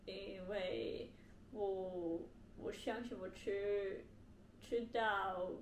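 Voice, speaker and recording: This young woman's mid-range, slightly mellow voice carries a foreign accent as she talks informally to camera in Mandarin, a language she is still learning. She hesitates while reaching for words, sitting on a sofa in a living room with a bare wall. Faint hiss and room echo are audible.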